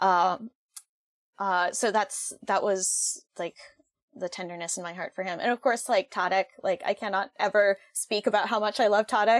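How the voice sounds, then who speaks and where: At a moderate pace, a woman with an American accent and an unremarkable speaking voice talks at medium pitch with fairly even intonation, in a dry, close sound with no echo. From US Northeast (Western Massachusetts). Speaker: fantasy author. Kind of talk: interview. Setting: video call.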